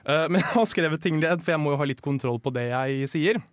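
A man's voice: on the high side, no echo, studio quality. A young man co-hosting a comic radio chat show, handing out playful mock-serious advice, then speaking earnestly and candidly to his co-host. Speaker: podcast co-host.

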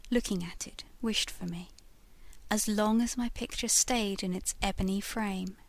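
A woman voicing a ghostly young woman returned from a portrait, speaking in a slow, yearning, hushed whisper. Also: medium pitch, gravelly.

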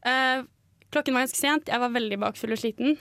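A woman's voice: on the high side, a bit bright, no room sound, clean studio sound. A young woman, co-hosting a radio show and telling a story in a casual chat. She laughs often and uses many fillers. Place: radio studio.

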